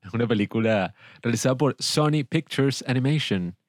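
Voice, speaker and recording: A man's voice: medium pitch, animated, moderate pace, no echo, studio quality. A man co-hosting a casual film review podcast, rambling and joking as he talks. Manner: rambling, joking, laughs often. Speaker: podcast co-host.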